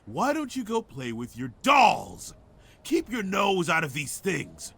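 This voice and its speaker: A bitter, mocking villain who sneers down at the heroine in a horror game. His voice is gravelly and husky. He swings wildly from low growls to high jeers, drawing each line out slowly. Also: huge pitch swings, a bit bright, full character voice. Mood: scornful. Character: menacing older man, scornful and bitter.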